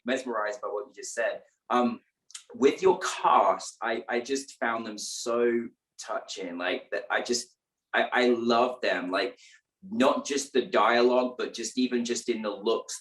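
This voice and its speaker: A man's voice: medium pitch, fairly bright tone. A man hosting an interview over a video call, gushing with praise and stumbling through fillers and restarts. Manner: gushing, effusive, lots of "you know" and "like" fillers and restarts. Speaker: interview host. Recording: roomy echo, distant from the mic.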